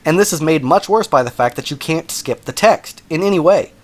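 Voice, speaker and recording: A man with a slightly high voice hosts a game review in a casual, scripted style. His delivery is very animated, swinging widely up and down in pitch. He keeps it informal and conversational, dropping in joking asides. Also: fairly quick. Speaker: host of a video game review channel.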